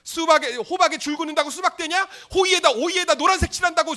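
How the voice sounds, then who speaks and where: A man's voice: quick pace, sharp tone. A man voicing a sassy, mocking younger sister in a sermon retelling. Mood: taunting. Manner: shrill, taunting.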